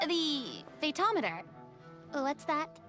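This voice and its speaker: A woman playing a sweet, curious young newcomer in a video game, speaking in a gentle, wondering manner. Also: sits high, big pitch swings, slow, faint music behind, exaggerated voice. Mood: delighted.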